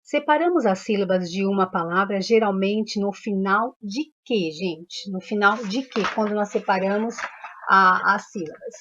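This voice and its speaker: A woman's voice: medium pitch, measured pace, fairly bright tone. Patient Brazilian teacher woman, lo-fi sound. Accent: Brazilian Portuguese. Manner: patient, explaining step by step with frequent checks like "tá?". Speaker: primary school teacher. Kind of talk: recorded class lesson.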